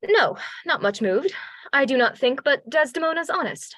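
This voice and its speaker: A woman's voice: high voice, animated, moderate pace, fairly bright tone. Woman reading an earnest, proud, jealous general. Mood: troubled. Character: proud male general, middle-aged, gnawed by jealous doubt. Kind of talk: Shakespeare read-along.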